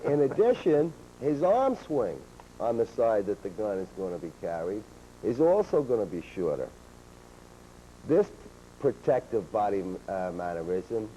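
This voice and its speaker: A man calmly explaining police techniques on a training video, in a steady, matter-of-fact way, heard from an old VHS tape. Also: medium pitch. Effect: old VHS tape sound. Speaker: law enforcement instructor. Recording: dull worn VHS tape with faint hiss.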